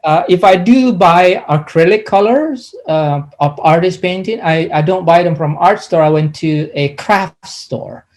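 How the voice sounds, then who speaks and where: A middle-aged man from Indonesia, an artist answering interview questions in a halting way with many restarts and pauses. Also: high-pitched, darkish tone.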